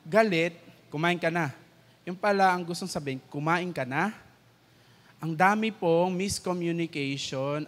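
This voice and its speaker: A man with a Filipino accent giving a conversational church teaching, mixing English into his talk and acting out quoted lines. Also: a little high. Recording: church hall with long reverb.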